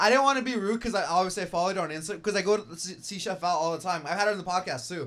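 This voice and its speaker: Loud and very fast, a man talks in a high voice with lively intonation and hardly any pauses over noticeable background noise. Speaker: podcast host. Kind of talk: casual chat. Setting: video call.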